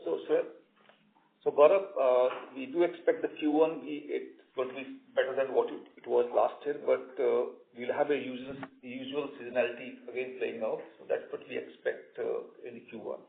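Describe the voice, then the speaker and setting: Male executive, creaky voice, responding on a reverberant, slightly noisy conference line. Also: mid-range voice, fairly even intonation, normal speed. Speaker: company executive answering questions. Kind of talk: spontaneous earnings call answers. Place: conference call. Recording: noisy, echoey phone line with clicks.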